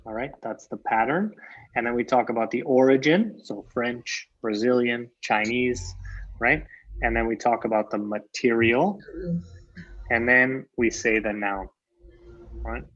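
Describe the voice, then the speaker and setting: A man from Canada teaches English over a video call, calmly repeating each example so the class can follow. His voice sits in a middle register. The audio is muffled and lo-fi. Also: medium pitch, a little slow. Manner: patient, repeats key phrases. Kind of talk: online English lesson.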